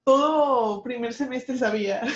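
A woman's voice: on the high side, slow. A young woman, chatting on a podcast and chiming in with short corrections. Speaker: podcast co-host. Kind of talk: casual chat. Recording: echoey room, dull lo-fi sound.

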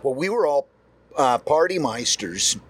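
Slow-talking older man, halting. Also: medium pitch, very animated, slight background noise. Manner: slow, halting, restarts often. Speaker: guest musician. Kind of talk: casual storytelling. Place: noisy room after a show.

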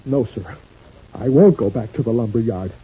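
Aggrieved working-class husband, old radio serial. Very rough voice, plaintive and proud, dull vintage recording. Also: male voice, mid-range voice, moderate pace, warm tone. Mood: stubborn.

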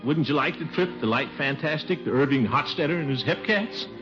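A man's voice: fairly high pitch, a little fast, natural voice. Man playing a pompous suitor, blustery, coaxing, radio sitcom, dull broadcast with music. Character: pompous middle-aged male bachelor suitor. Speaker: title character. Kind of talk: 1950s radio sitcom acting.

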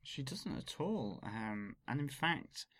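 A man's voice: medium pitch, very animated, slow pace, a bit bright, no room sound, clean studio sound. A man from England co-hosting a podcast, explaining things at length and laughing at himself. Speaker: podcast co-host. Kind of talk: casual podcast chat.

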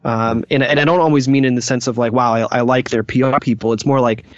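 A man's voice: mid-range voice, fairly even intonation, quick pace, no room sound, highs cut off. A man speaking casually as an interview guest, hesitant and often searching for words. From United States. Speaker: podcast guest.

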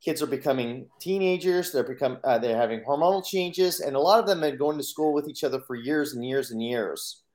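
A man's voice: mid-range voice, animated, a little fast, few pauses, darkish tone. A man telling his own life story on a podcast in an earnest way, acting out his inner thoughts in quotes. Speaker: podcast guest. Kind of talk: personal storytelling.

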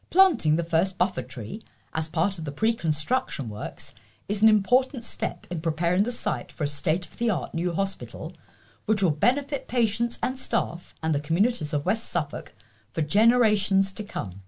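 A woman's voice: lowish voice, darkish tone, slightly rough. A woman with a British accent reading local news aloud as a volunteer newsreader.

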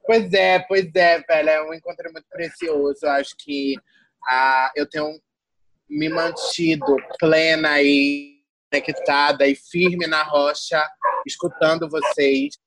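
A young adult woman from Salvador, Bahia, a tired guest artist talking in an animated, slangy way full of restarts. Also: sits low, slow, dry recording, low-quality recording. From Salvador, Bahia, Brazil. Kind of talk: casual conversation.

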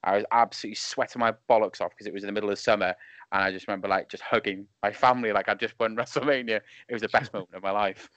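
Guy in his 30s with a lisp, smooth voice, talks with lots of ums, dry muffled call audio. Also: lowish voice, steady tone, fairly bright tone, dry recording. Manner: self-deprecating, halting with fillers. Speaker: podcast guest, wrestling referee. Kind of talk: casual chat. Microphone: remote call.

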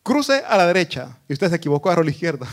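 A man preaching a sermon as pastor, rising to emphatic phrases and dropping to low asides. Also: very animated, very fast.

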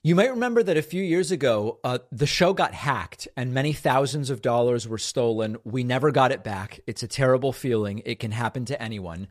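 Brisk man hosting a call-in show. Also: mid-range voice, expressive. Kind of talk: casual call-in talk and read sponsor ads.

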